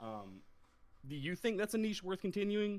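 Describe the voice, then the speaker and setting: A man is talking. The pitch of his voice swings very widely. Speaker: caller seeking channel review. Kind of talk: casual chat. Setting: call. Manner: halting, repeats words.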